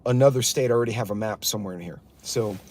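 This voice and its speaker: A man's voice: on the low side, very fast, darkish tone. A man hosting a live driving vlog from his pickup truck, giving blunt, ranting road-safety advice to his chat viewers. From West Texas. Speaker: prepper channel host.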